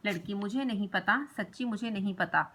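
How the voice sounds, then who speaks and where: A woman's voice: medium pitch, moderate pace, a bit bright, a little hiss or hum, lightly acted. A woman voicing a lost, frightened little girl in a play read aloud. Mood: wondering. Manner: fearful, wondering.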